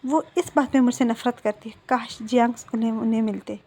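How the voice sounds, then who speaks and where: A woman's voice: fairly high pitch, steady tone, a little fast, dark tone. A woman voicing a hurt young man who answers curtly and tries to push his lover away, in a retold fan-fiction story.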